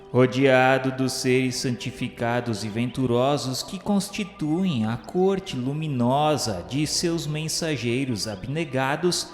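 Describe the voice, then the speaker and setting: A Brazilian man narrates in a solemn, reverent, formal style, like a religious radio novela. His delivery is slow and measured at a middle pitch. The voice rings in a long, roomy reverb with music underneath.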